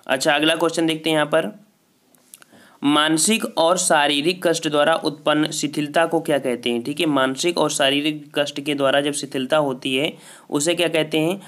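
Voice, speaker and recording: Man, exam prep teacher, slightly high voice, steady repetitive explaining, asks answers back. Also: normal speed. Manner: repeats each answer and asks it back with "ठीक है". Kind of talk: solving a Hindi grammar test paper aloud.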